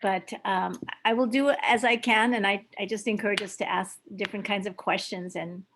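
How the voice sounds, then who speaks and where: Halting older woman from Hawaii. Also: medium pitch, steady tone, fairly bright tone, slight background noise. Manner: halting, many ums and restarts. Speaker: club member at a video meeting. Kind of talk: hesitant casual remarks.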